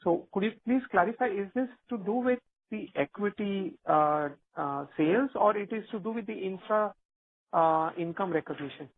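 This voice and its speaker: A man's voice: sits high, expressive, normal speed. A man, an analyst, asking polite, hesitant questions on an earnings call. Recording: tinny conference phone line.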